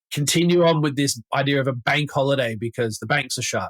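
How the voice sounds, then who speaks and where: Lively intonation and an Australian accent carry a somewhat breathy voice at a moderate pace. The sound is dry and close, with no echo. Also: man. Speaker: podcast host, investment editor. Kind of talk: casual chat. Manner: halting, repetitive.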